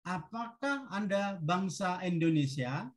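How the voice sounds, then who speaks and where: Lady language teacher doing repeat-after-me drills, really slow n deliberate, short sentences. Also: fairly low pitch, expressive. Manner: deliberate, instructional.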